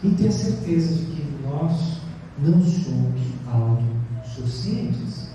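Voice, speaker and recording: A man's voice: on the high side, sing-song, slow, dark tone, a little hiss or hum. Man, 30s, Brazilian accent, spiritist lecture, rhetorical questions, heard from far off, long reverb. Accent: Brazilian Portuguese. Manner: rhetorical questions, emphatic, gesturing with a paper in hand. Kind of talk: sermon-like lecture. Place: large hall with bare brick wall, indoors. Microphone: stand mic at chest height. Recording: distant echoey hall recording.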